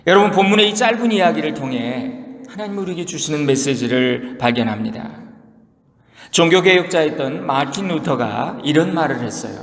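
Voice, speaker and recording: A man's voice: a little high, moderate pace, echoey room, long reverb tail. A male pastor preaching a sermon, telling the story vividly and acting out voices. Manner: lively storytelling with acted-out quotes.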